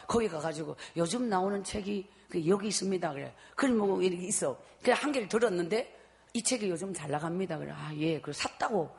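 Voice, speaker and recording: A middle-aged woman, giving an emotional personal faith testimony that swings from loud pleading to a hushed murmur. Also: medium pitch. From Guryongpo area, South Korea. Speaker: testimony speaker.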